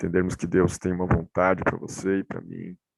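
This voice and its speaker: Slow-ish and very deep, a man's low voice comes through dry and close with no echo. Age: 40s. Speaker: physician and lay preacher. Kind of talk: sermon. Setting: online virtual church session.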